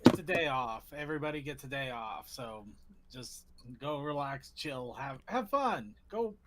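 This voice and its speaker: A man's voice: mid-range voice, animated, a little slow, very noisy. A man chatting casually as a panelist on an online group call. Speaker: livestream panelist. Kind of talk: casual chat.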